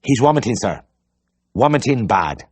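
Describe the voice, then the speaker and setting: A man voicing a solemn, hard-of-hearing older man with a rich Irish accent who speaks slowly and plainly. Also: medium pitch, big pitch swings, slightly rough, no room sound.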